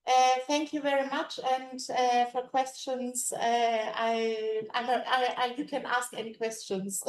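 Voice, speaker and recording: A woman with a high voice, whose first languages are Greek and German, presents to a conference in English. She speaks haltingly, hunting for words and restarting her sentences. The sound carries an echoey room around her. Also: level tone. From Greece.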